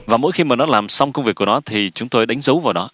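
Man, sermon interpreter, rapid, hesitant fillers, dry. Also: medium pitch, fairly bright tone, no echo. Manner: hurried, with frequent fillers and restarts.

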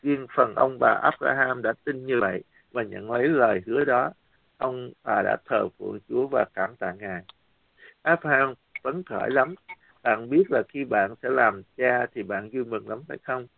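A man preaching a sermon as lively storytelling, acting out the dialogue of the story. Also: mid-range voice, normal speed, creaky, dry recording. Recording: dry, tinny phone-like sound.

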